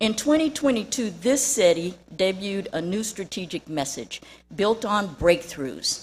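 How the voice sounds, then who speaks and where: A woman's somewhat breathy, medium-pitched voice at a fairly slow pace, with very wide pitch swings. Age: 70s. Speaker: public commenter, transit advocate. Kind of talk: public comment at council meeting. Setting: city council chamber podium. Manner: formal.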